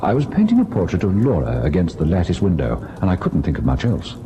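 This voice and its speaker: Low, mellow storyteller husband. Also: male voice, quick pace. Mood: reflective. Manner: earnest, hesitant, expressive. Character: educated, earnest husband and painter, narrating a ghost tale. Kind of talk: old-time radio narration and dramatic acting. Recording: noisy vintage radio recording.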